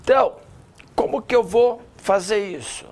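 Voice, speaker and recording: A man teaching an online public speaking lesson, animated and talking straight to the viewer, shifting his pace and loudness to demonstrate. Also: high voice. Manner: addresses the viewer directly with quick rhetorical objections.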